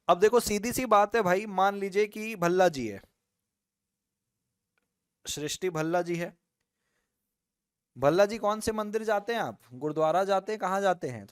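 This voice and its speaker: A man leads an online law lesson with a smooth, high voice. He jokes with students and acts out examples. The sound is close and dry. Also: dry recording. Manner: teasing students, lively storytelling. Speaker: law teacher. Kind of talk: online live class lecture.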